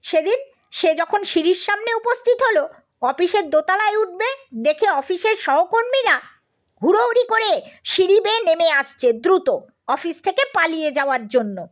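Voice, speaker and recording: A woman's voice: extremely high pitch, expressive, normal speed. A woman narrating a scripted comic story as an audiobook reader.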